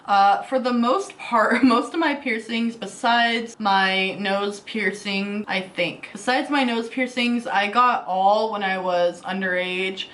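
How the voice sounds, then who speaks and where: A woman in her twenties talks to her camera with a slight lisp, answering viewer questions in a loose, chatty way. She is easygoing and fills her sentences with casual fillers. Her pitch sits in an ordinary middle range for a woman. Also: a bit bright. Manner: chatty and easygoing, many fillers like "like" and "you know". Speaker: beauty and lifestyle vlogger.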